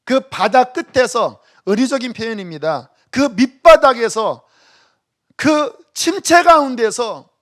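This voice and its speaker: A man pastor preaching a sermon at a church worship service, swinging from loud exhortation to hushed near-whispers and leading the congregation in reading scripture aloud. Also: very high-pitched.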